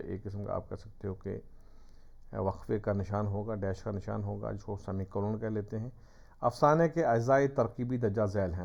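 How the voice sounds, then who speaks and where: A man's voice: mid-range voice, vocal fry, a little mellow. A male teacher giving a classroom lecture, patiently explaining step by step with examples. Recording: dull lo-fi recording.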